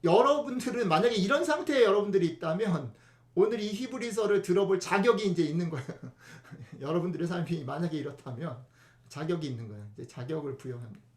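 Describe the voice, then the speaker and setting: A man preaching a casual, conversational sermon in a high, animated voice that swings widely in pitch. He keeps turning to the congregation with rhetorical questions. The sound carries a roomy echo from the church. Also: fast talker. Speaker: pastor.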